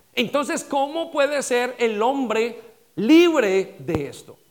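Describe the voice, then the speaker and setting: Audible echo from the room surrounds a man whose pitch rises and falls very widely. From Colombia. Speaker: pastor. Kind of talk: sermon. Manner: halting, many fillers.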